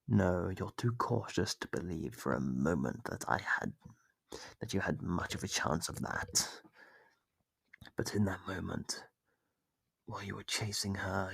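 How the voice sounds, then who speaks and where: Horror ASMR monster captor, played by a man: deep, unhurried, smugly menacing, taunting his prey in a husky, breathy drawl. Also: no room sound, heavily acted. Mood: hushed menace. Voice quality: gravelly, husky, often dropping to a breathy whisper. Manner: slow, taunting, theatrical drawl with drawn-out pauses. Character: sadistic male monster captor, smug, menacing, toying with prey. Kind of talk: horror ASMR roleplay monologue.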